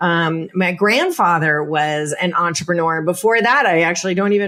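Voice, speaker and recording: A woman talks over noticeable background noise. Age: 50s. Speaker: personal branding expert and entrepreneur. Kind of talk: podcast interview.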